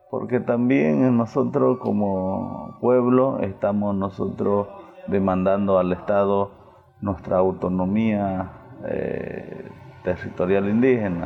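Over noticeable background noise, a man with a fairly low voice speaks very slowly, with ordinary pitch variation. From Bolivian lowlands, Lomerío (Santa Cruz). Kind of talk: interview. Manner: halting.

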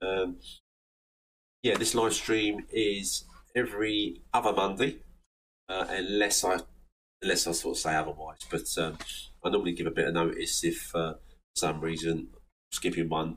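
With a London accent, a man speaks with long, frequent pauses. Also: moderate pace. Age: 50s. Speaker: plasterer hosting a call-in livestream. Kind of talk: live call-in Q&A. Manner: chatty, rambling.

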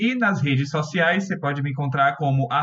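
Fairly high in pitch and somewhat breathy, a man speaks at a fairly slow pace. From Bahia, Brazil. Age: young. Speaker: writer and student. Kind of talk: casual chat.

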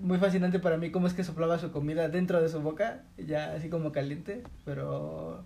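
Audible room echo surrounds a man who talks at a fairly quick pace, with a fairly high pitch and fairly even intonation. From Mexico, Oaxaca. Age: 30s. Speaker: podcast host. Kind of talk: casual chat.

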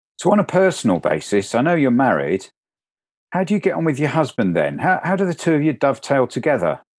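Very clean with a silent background, this clip has a man talking at a very fast pace in a fairly high voice with vocal fry. His pitch swings very widely while his loudness stays very even. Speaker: podcast host. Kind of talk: interview, professional.

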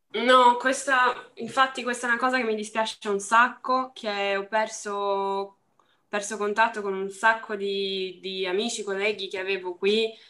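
A woman's medium-pitched voice, bright and sharp in tone, with fairly even intonation at a fairly slow pace. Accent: Portuguese. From Brazil, São Paulo. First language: Portuguese (speaking Italian). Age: 20s. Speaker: university student. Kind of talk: casual chat.

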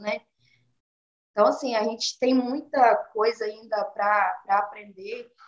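A woman talks at a fairly slow pace. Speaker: deaconess and intercessor. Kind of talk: interview.

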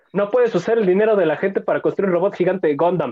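A man is speaking. His pitch is high. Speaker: podcast co-host. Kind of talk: casual chat. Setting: video call.

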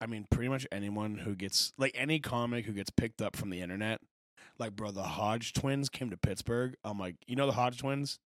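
This man has an ordinary speaking voice with medium pitch and ordinary pitch variation. He talks at a fairly quick pace. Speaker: podcast host. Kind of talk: casual chat.

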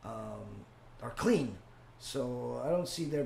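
A man speaks with an American accent. Room echo is audible. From New York. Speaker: rabbi. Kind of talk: Torah class answering questions. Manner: halting with fillers.

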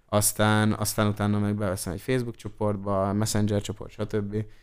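Pitched fairly low, a man talks at a fairly quick pace. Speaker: student union president. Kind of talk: casual chat.

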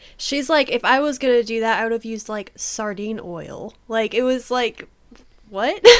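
Noticeable background noise surrounds this recording. A woman talks at a moderate pace with a fairly high pitch and ordinary pitch variation. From USA. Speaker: podcast co-host. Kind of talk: casual chat.

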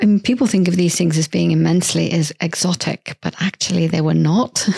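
Dry and close with no echo, a woman with an Irish accent speaks at a fairly low pitch with ordinary pitch variation. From Ireland. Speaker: psychotherapist. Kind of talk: casual chat.

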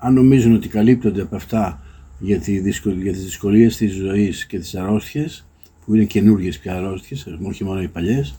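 A man's somewhat breathy, dark, mellow voice, fairly low in pitch, with ordinary pitch variation at a moderate pace. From Greece, Piraeus. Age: 70s. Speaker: poet and publisher. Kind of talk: interview.

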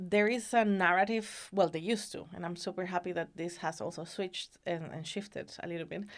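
A woman's medium-pitched voice in a Spanish accent, fairly quick with fairly even intonation, on a very clean recording with a silent background. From Costa Rica. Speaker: social entrepreneur. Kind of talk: interview. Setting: stage with audience.

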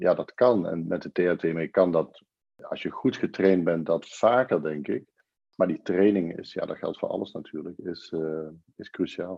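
Loudness rises and falls sharply as a man talks at a fairly slow pace. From Netherlands, Nijmegen. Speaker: surgeon. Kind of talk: interview.

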